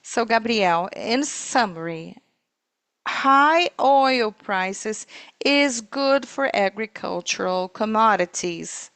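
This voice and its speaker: Slow, halting woman interpreting live. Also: on the high side, animated, a bit bright, dry recording. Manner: halting, piecemeal phrasing. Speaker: simultaneous interpreter. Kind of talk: live interpreting of a corporate earnings call.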